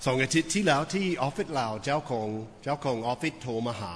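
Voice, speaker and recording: A man's voice: mid-range voice, animated, fast talker, a little hiss or hum. A Western man preaching a sermon, telling a story animatedly with many repeated words. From Western country. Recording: echoey hall.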